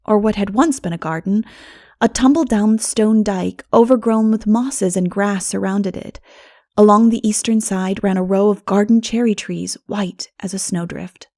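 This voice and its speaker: Lady reading an old novel audiobook, expressive, bit of vocal fry, dry close sound. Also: medium pitch, normal speed, no room sound. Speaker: audiobook narrator. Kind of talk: expressive scripted narration of a classic novel.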